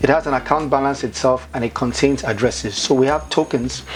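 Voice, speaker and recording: Some clear background noise sits under the voice. The delivery moves along at a fairly quick clip. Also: man. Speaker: crypto educator YouTuber. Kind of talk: tutorial. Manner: fast.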